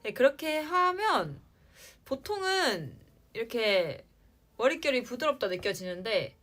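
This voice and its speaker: A young woman in her twenties hosting a casual livestream, answering fans in a chatty way and trailing off softly at the ends of her lines. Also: on the high side, big pitch swings, unhurried. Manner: chatty, playful sound words, trails off at line ends. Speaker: idol livestream host.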